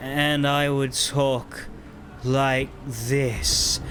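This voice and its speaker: Clear background noise sits behind a man's put-on character voice. It stays at a medium pitch. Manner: slow, sluggish.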